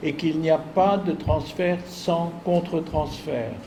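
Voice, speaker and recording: Noticeable background noise and audible room echo fill this clip. A man with a high pitch talks at a very slow pace. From Belgium, Waterloo. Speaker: surgeon, conference speaker. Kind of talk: lecture.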